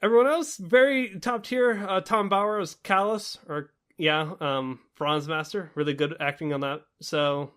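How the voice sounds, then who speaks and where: A man's voice: on the high side, a little slow, few pauses, smooth. A man hosting a casual podcast discussion, acting out his own reactions as he talks. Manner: animated, acts out his own reactions in quotes. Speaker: podcast host.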